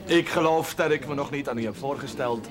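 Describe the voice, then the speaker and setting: An actor playing an urbane, tolerant Catholic priest in a television drama, courteous, reflective and gently teasing. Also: male voice, mid-range voice, brisk, natural voice. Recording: crowd of voices behind.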